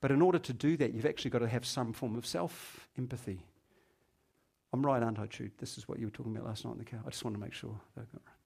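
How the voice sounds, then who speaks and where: A man's voice: mid-range voice, fast, vocal fry, a little mellow, husky. A man preaching a conversational sermon as pastor, chatty and teasing members of the congregation by name.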